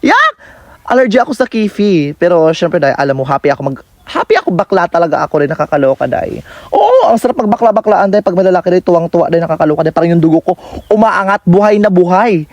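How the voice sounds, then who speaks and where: A young man from the Philippines narrates his family food vlog in a teasing, campy comedic voice-over. He talks very fast, in a slightly high voice, tossing in playful asides. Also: a little mellow. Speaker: vlogger.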